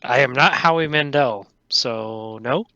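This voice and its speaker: Man, joking tabletop player, bright voice, dull dry mic. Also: mid-range voice, a little slow, clear, resonant tone, dry recording. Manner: joking, hesitant with fillers. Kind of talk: casual tabletop play.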